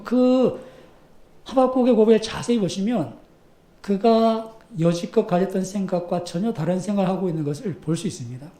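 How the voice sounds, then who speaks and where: Brief: high-voiced male pastor, lively sermon full of rhetorical questions, echoey church. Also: moderate pace. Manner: animated, conversational preaching with rhetorical questions. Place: church sanctuary.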